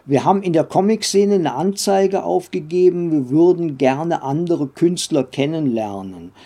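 An older man recounting memories in an interview, speaking haltingly with many drawn-out hesitations and little tag questions. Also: fairly high pitch, warm tone. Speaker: interview guest, former comics editor and publisher.

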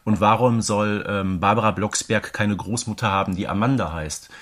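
A man's voice: fairly low pitch, moderate pace, a bit bright. Man co-hosting a casual podcast. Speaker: podcast co-host. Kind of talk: casual discussion of an audio drama series.

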